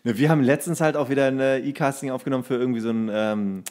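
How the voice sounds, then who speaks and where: A man's voice: mid-range voice, fairly even intonation, fast, a little mellow. Casual male storyteller in his thirties. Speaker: podcast co-host; actor. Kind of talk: casual chat, telling anecdotes.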